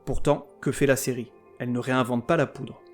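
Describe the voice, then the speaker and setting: A man's voice: medium pitch, steady tone, a little fast, soft background music. A man hosting a podcast who reviews TV series in a scripted comic style, full of sarcasm, crude words and mock outrage. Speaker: podcast host.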